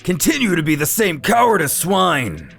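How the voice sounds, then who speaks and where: A man's voice: sits high, wildly swooping pitch, normal speed, vocal fry, fairly bright tone, faint music behind, pitched above the performer's own voice, heavily acted. A man voicing a haughty cat god of destruction in a web story, taunting and imperious in his threats. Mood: scornful.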